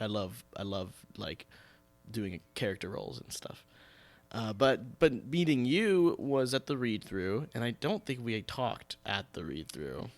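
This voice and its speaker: A young man hosting a podcast interview, chatting informally and halting and restarting as he goes. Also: fairly low pitch, creaky. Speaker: podcast host. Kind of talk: casual interview chat.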